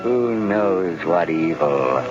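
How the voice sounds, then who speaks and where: A man's voice: low-pitched, lively intonation. An actor playing a sinister, mysterious crime fighter in an old radio drama, drawing out his words ominously. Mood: menacing. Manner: slow, drawn-out, ominous delivery with a sinister laugh. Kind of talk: 1940s radio drama acting. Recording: muffled old radio recording with loud music.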